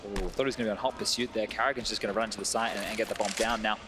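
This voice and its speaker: A man's voice: lowish voice, fairly even intonation, racing. A man working as an esports caster, giving live match commentary and analysis in a conversational, reactive way. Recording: noisy game audio behind voice. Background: game sounds.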